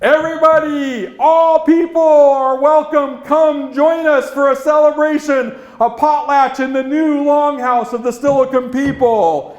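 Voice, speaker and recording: A man voicing a proud male tribal leader who calls out and proclaims loudly. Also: high-pitched, expressive, unhurried, reverberant, dull audio, voice pushed up. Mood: proclaiming.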